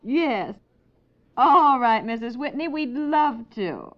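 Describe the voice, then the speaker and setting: An actress playing a breezy, sensible American wife and mother who gently teases, in a 1950s radio comedy. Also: fairly high pitch, animated, takes it slowly. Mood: cheerful, chatty. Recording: dull, lo-fi 1950s radio recording.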